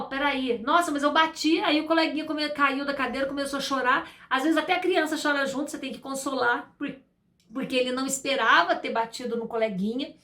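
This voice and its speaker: A woman educator with a Brazilian Portuguese accent gives parents emphatic advice in a high voice and hammers her main points again and again. She sounds middle-aged. Her voice rings in an echoey room. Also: fairly bright tone. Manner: emphatic, repeats key points. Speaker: school educator.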